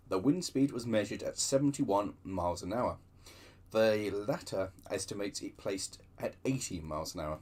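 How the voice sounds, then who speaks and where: A man's voice: on the low side, husky. A man hosting his own channel, reading railway book extracts aloud with chatty asides. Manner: lively storytelling with chatty digressions.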